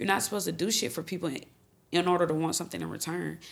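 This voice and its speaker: A woman's animated voice, fairly low-pitched, with vocal fry. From Florida. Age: 20s. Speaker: podcast host. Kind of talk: casual chat. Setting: studio.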